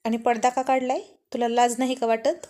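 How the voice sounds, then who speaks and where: A woman's voice: fairly high pitch, little pitch movement, brisk, warm tone, lightly acted. Rudra, a stern irritable young man, read by a woman. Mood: scolding.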